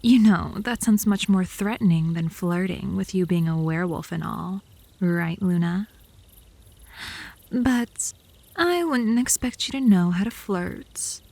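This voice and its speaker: A woman voicing a haughty, jealous vampire woman in an ASMR roleplay, snide and mocking in a deliberate delivery, close to the microphone. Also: lowish voice, creaky, darkish tone, no room sound. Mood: disgusted, mocking. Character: haughty, jealous, sharp-tongued vampire woman, obsessive stalker. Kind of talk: ASMR roleplay, comic bickering.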